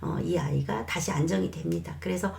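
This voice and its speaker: A woman who is a child development expert, calmly explaining parenting advice in a lesson and sometimes acting out what a mother might say. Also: fairly low pitch, brisk, creaky. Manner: calm, reassuring explanation with acted quotes of mothers.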